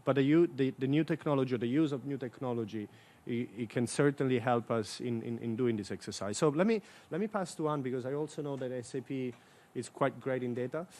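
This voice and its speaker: A man moderating a panel discussion, halting and repeating words as he looks for them. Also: medium pitch, a little mellow. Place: conference room at a panel event.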